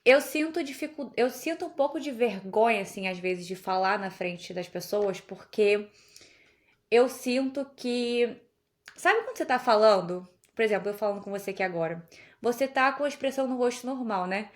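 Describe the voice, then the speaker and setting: A woman's voice: fairly high pitch, expressive, normal speed. Chatty laughing young woman. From Brazil. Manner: chatty, laughs often, storytelling. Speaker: guest on a podcast. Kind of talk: casual conversation.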